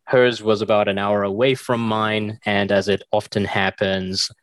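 A man from Sri Lanka chats as a podcast guest in an easygoing, loose way. His voice is fairly low, and the recording is dry and close. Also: a little slow, clear, resonant tone, no room sound. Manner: relaxed, with fillers like uh and um. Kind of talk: casual conversational chat. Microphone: dry close mic, remote recording from home.

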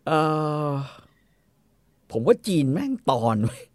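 A man's voice: a little high, sing-song, takes it slowly, darkish tone, husky. A middle-aged man in casual, bawdy talk, giving blunt, crude advice as a host and often repeating his phrases.

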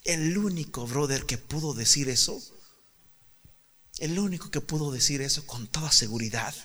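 A man preaching a sermon emphatically, asking rhetorical questions and swinging from quiet talk to shouts. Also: on the high side, normal speed. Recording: reverberant hall.

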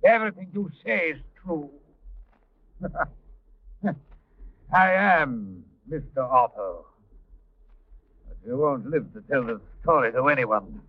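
An actor playing a cornered, scheming murderer in old radio melodrama, defiant and theatrical. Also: male voice, medium pitch, lively intonation, slow, long pauses, slightly rough, dry recording. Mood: gloating menace. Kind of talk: 1940s radio melodrama acting. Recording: tinny, narrow old radio recording.

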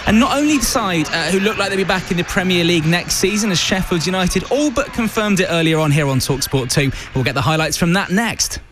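A man's voice: high voice, expressive, brisk, hardly any pauses, background noise. A British man presenting live sport on the radio from a studio, with an emphatic broadcast delivery. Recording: music behind the voice. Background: music.

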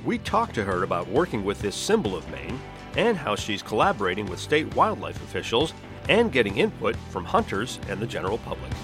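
A man's voice: lowish voice, huge pitch swings, a little fast, over music. A man hosting a podcast, reading scripted narration in the manner of a nature documentary. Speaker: podcast host.

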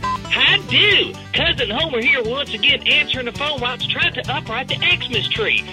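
A woman's voice: high voice, expressive, normal speed, sharp tone, full character voice. A woman voicing a folksy, scatterbrained relative in a comic answering-machine monologue. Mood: folksy, flustered. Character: folksy, scatterbrained Cousin Homer answering the phone. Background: music.

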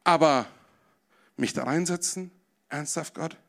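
A man's voice: on the high side, measured pace, creaky, fairly bright tone. A male preacher telling a story in a sermon, vividly, and addressing his listeners directly.

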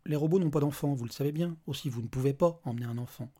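A man voicing a calm male robot official who speaks in an even, detached, bureaucratic way with a husky voice. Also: mid-range voice, racing, lightly acted.

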